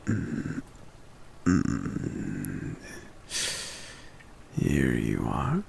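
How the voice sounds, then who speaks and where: A man voicing a gentle, courteous forest giant in an ASMR roleplay, speaking softly and hesitantly with polite hums and pauses. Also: huge pitch swings, a little hiss or hum, heavily acted. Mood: gentle, caring. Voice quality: very deep, gravelly.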